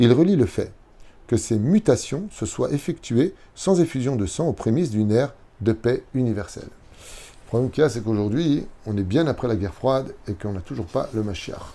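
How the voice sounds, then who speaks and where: Lively in intonation, a man speaks at a moderate pace with a dark, mellow tone. The recording is very clean with a silent background. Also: medium pitch for a man. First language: Hebrew (speaking French). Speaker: rabbi. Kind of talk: reading aloud with commentary. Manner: halting.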